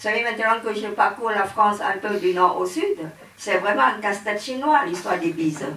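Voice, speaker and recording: A woman speaks with lively intonation at a medium pitch and a moderate pace. Room echo and background noise can both be heard. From Cambodia. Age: 60s. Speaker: theologian. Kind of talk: lecture. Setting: conference hall with audience.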